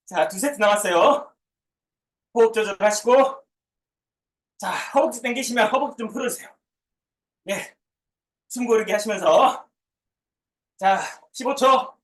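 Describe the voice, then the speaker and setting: A woman's voice: fairly high pitch, a bit bright. A woman working as a gym coach, leading a group workout with counted reps and short commands. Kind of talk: live workout class with counted reps and cues. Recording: echoey room, far from the mic.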